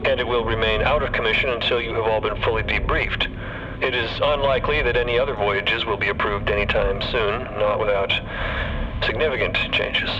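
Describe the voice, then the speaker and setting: A man's voice: on the low side, steady tone, a little fast, pushed and bright. An actor playing a stern, officious, easily flustered male commissioner in an audio drama, speaking formally over a radio link. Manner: formal, clipped, bureaucratic. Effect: radio transmission filter. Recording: muffled, noisy radio transmission.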